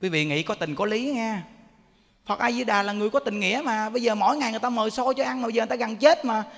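High bright-voiced monk preaching in a hall. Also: male voice, rapid-fire, vocal fry. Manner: lively storytelling, often asks the audience questions. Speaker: Buddhist monk teaching. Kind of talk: sermon. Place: temple hall. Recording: echoey hall.

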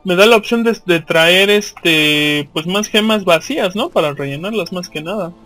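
A man's voice: sits high, lively intonation, moderate pace, bright, forceful tone, faint music behind. A man with a Mexican accent giving casual, slangy, profanity-laced commentary as he plays a video game.

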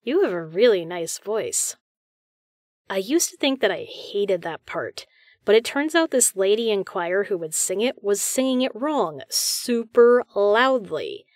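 A woman's voice: medium pitch, sing-song, measured pace, a little mellow, no room sound, studio quality. A woman playing a friendly, chatty, reassuring female caroler in a one-sided roleplay audio conversation. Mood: cheerful, chatty. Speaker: voice actor.

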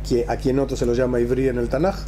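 A man's voice: medium pitch, level tone, fast talker, a crowd in the background. A man, a rabbi teaching a religious text in a conversational way, with rhetorical questions and emphatic repetition. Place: small classroom, indoors.

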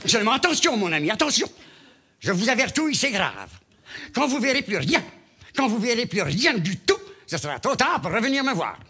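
A man voicing a pompous, fussy male doctor who talks down to his patient in a high, emphatic voice. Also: very animated, normal speed, bright, forceful tone, breathy edge, full character voice. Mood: bossy.

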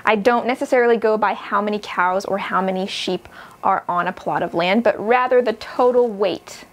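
A young woman, a shepherd, explaining grazing in a steady, practical instructional lesson, recorded indoors at a whiteboard. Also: mid-range voice. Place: indoors in front of a wooden wall and whiteboard.

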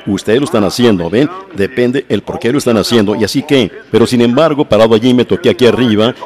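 A man delivering a sermon in a slow, measured storytelling manner, often repeating and restarting words. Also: medium pitch, darkish tone. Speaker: preacher. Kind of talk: sermon in Spanish translation.

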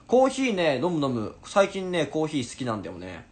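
A man in his twenties chatting casually on a livestream in an animated way, answering viewers as he goes. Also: on the high side, brisk. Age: 20s. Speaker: stage actor livestreaming to fans. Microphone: phone at arm's length. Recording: noisy room ambience, phone livestream.

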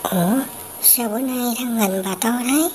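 Woman as high-voiced little red-hat girl. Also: normal speed, a little mellow, lightly acted. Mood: curious, puzzled. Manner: pleading, repeats herself. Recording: faintly noisy home-made cartoon dub.

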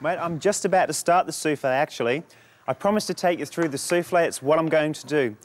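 A man's voice: on the high side, a little fast. A young man, a chef in a studio kitchen, explaining a recipe in a friendly way. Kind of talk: cooking demonstration.

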